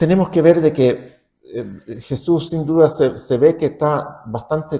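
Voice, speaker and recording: This man's voice sits at a fairly high pitch with a dark, mellow tone. It comes across somewhat breathy. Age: 80s+. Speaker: preacher. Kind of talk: sermon.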